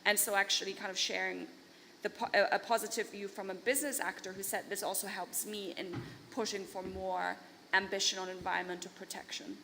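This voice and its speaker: A woman speaking on a panel in a measured, slow manner. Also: mid-range voice, flat delivery, creaky, bright, forceful tone, long reverb tail, a little hiss or hum, low-quality recording. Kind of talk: panel discussion. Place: conference hall.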